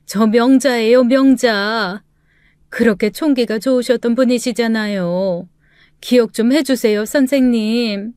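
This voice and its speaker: Weeping middle-aged mother-in-law in a radio drama, slow imploring delivery, voiced by a woman. Dry close mic. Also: on the high side, a little mellow, smooth, no echo, close to an everyday voice. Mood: pleading.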